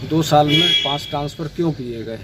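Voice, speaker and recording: A middle-aged man, a government officer explaining himself haltingly and repetitively in an interview. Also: on the high side. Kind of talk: spontaneous interview answers. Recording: noisy location recording with birdsong.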